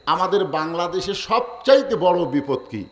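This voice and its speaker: A man preaching a waz sermon. He moves between hushed storytelling and loud shouted exhortation, and he calls on the crowd to answer back. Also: high-pitched, lively intonation, measured pace.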